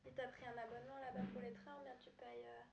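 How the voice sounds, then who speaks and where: A high-pitched woman with a gravelly edge to her voice asks brief questions and nudges the conversation along. Her voice is recorded in an echoey room. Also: flat delivery, fast talker, very noisy. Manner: brief prompting questions and backchannels. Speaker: interviewer. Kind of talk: interview questions.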